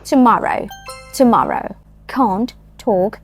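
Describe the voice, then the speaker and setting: A woman from Thailand, speaking, teaches English phrases in a playful, teasing way and drills slow, drawn-out pronunciation. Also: on the high side, loud music behind the voice. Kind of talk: lesson with repeat-after-me drills.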